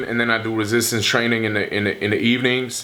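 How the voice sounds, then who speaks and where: Fairly quick speech from a man, amid noticeable background noise and audible room echo. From Montenegro. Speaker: rapper and vlogger. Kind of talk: casual Q&A vlog. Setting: at home on couch. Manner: halting, many repetitions and fillers.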